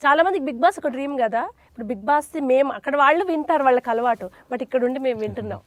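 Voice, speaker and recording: A woman with a high voice chats casually as an interviewer. She talks quickly, in a dry recording. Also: dry recording.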